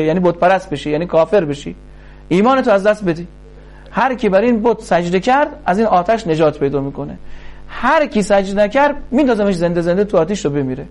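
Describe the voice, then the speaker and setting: A man teaches classical poetry. He recites the verses slowly, stretching each line. Between the verses he explains them in quick, plain speech. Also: sits high, a little mellow.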